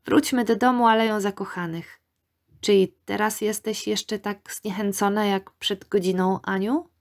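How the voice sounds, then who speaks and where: A cheerful, eager young man, a student in an audiobook story, read by a woman in nearly her own voice. He speaks warmly and with lively enthusiasm. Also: medium pitch, normal speed, lightly acted.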